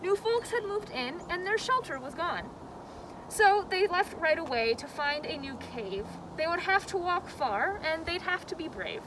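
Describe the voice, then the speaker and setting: A high-pitched woman hosts story time as a zoo educator, expressive and dramatic in her delivery. Clear outdoor noise, with some vehicle rumble, sits behind her voice. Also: a little slow. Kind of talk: animated children's storybook reading and educational talk.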